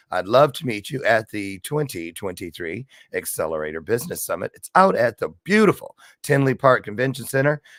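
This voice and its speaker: With vocal fry, very wide pitch swings and big swings in loudness, a man speaks on a very clean recording with a silent background. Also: medium pitch for a man. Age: 60s. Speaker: livestream show host. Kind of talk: casual live-stream chat. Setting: live video stream. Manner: animated, chatty.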